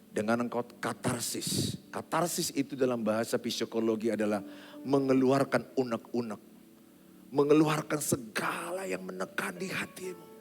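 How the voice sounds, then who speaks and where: A pastor preaching with passion, dropping to hushed tones and rising to loud appeals, with English phrases mixed into his sermon. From Indonesia. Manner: impassioned, swinging from hushed and low to loud and high. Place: large church hall. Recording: long church-hall reverb with soft instrumental music behind. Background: soft instrumental music.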